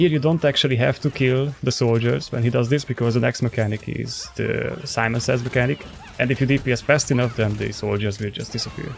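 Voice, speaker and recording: A man with a Hungarian accent at a fairly quick pace, fairly even intonation, hardly any pauses, and music in the background. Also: medium pitch for a man. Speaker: gamer. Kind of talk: tutorial. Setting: gameplay voice-over. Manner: halting.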